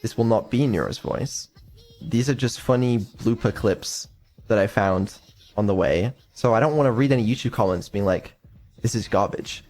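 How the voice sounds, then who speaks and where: A man's voice: lowish voice, normal speed, a little mellow. A man giving a casual live stream update as a developer, rambling and hesitant with many ums and offhand swearing.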